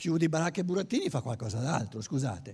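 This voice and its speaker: A man with a Lombard accent and very wide pitch swings. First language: Lombard (speaking Italian). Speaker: lecturer. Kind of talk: lecture. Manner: halting, many repetitions.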